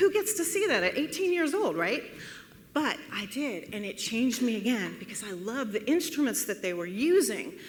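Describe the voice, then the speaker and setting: A woman talks at a moderate pace with very wide pitch swings, and the room echo is audible. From New England. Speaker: patient advocate speaker. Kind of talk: conference talk.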